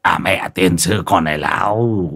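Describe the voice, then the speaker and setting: A man playing a gruff, boastful old male shaman who barks his lines. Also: deep voice, measured pace, a bit bright, no echo, studio quality, full character voice.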